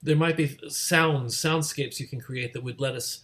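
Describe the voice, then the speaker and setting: Man, interview host. Medium pitch, informal, halting delivery with repeated word starts and stammered phrasing. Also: steady tone, fairly bright tone. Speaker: host, moderator. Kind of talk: casual interview moderating.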